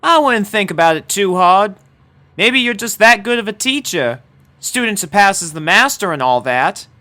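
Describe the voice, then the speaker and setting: An easygoing teenage girl performed by a man speaks frankly in a lifted, bright voice. She is plain-spoken and down-to-earth, a character from a cartoon story. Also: high voice, expressive, moderate pace, voice pushed up. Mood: reassuring.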